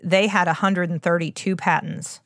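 A woman's voice: lowish voice, fairly even intonation, normal speed, slight background noise. A woman hosting a podcast as a doctor, explaining in an earnest, informal way with emphatic asides. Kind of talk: conversational explainer on medicine.

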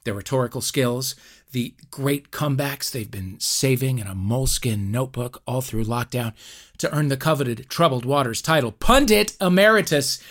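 Male host, mid-pitched, mock-grand game show announcing with playful dry asides. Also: a bit bright. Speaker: comedy podcast host. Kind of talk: comic game show hosting.

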